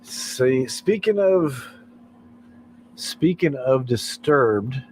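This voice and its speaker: A man's voice: medium pitch, expressive, extremely slow, slight background noise, poor audio. A man hosting a casual late-night livestream, talking in an easygoing, rambling way. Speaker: livestream host.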